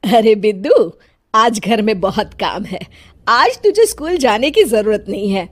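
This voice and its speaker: A woman's voice: mid-range voice, expressive, unhurried, a little hiss or hum, lightly acted. A woman voicing a strict old grandmother in a cartoon, nagging and dismissive in tone.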